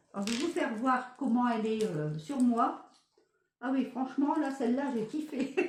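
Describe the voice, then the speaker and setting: A high-pitched woman with lively intonation at a moderate pace, amid audible room echo. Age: 60s. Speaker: fashion haul vlogger. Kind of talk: casual chat. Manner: animated.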